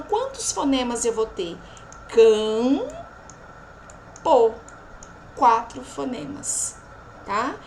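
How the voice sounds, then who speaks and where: In this remote lesson, a Brazilian Portuguese teacher with a high voice pronounces example words slowly and drawn-out. She pauses after each point to check on her class, over poor audio carrying a little hiss or hum.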